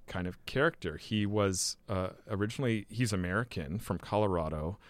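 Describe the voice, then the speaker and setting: A man in his forties speaks in a very low voice, recounting his path as a filmmaker in a loose, rambling way full of restarts and fillers. The sound is close and dry, with no room around him. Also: moderate pace, no room sound. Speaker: guest filmmaker. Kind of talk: casual storytelling interview.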